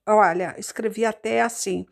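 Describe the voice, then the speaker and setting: A woman's voice: mid-range voice, steady tone, moderate pace, gravelly. A woman missionary from Rio de Janeiro with a Carioca accent, giving an informal sermon mixed with personal testimony. She talks in a conversational way, repeats words and turns to the congregation with frequent asides. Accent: Carioca Brazilian Portuguese. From Rio de Janeiro, Brazil. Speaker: missionary preacher.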